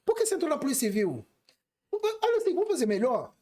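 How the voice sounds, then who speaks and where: A man's voice: very high voice, quick pace. A man hosting an interview podcast, chatting casually and teasing his guest with jokes. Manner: joking, teasing, animated. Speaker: podcast host.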